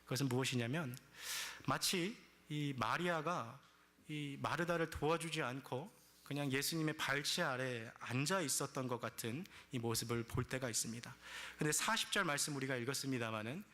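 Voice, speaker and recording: Bright-voiced Korean pastor preaching. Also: male voice, medium pitch, moderate pace. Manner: animated storytelling, acts out quoted complaints. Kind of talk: sermon.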